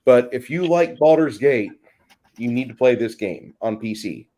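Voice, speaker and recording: A middle-aged man talks casually, like a co-host on a hobby gaming show. He rambles through anecdotes and swears freely, in a voice of ordinary male pitch. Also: expressive, moderate pace, warm tone. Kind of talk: casual chat.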